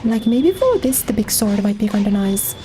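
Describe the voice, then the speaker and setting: A woman's voice: mid-range voice, sing-song, moderate pace, dark tone, faint music behind. A young woman streamer chatting casually as she plays, thinking aloud about missions and thanking subscribers. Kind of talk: casual gameplay commentary.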